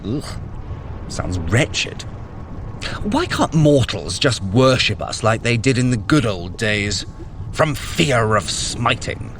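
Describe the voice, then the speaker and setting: A man's voice: mid-range voice, sing-song, takes it slowly, a bit bright, a little hiss or hum. An actor playing a vain, sarcastic male trickster god in a scripted audio drama, theatrical and full of self-praise. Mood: sardonic. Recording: music bed under the voice.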